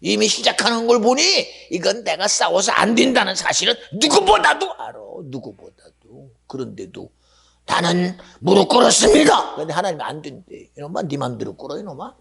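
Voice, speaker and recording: A male pastor preaching a sermon, swinging between shouted exhortations and hushed whispers, and acting out quoted speech. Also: high-pitched, big pitch swings, a little fast, gravelly, hardly any pauses, crowd noise.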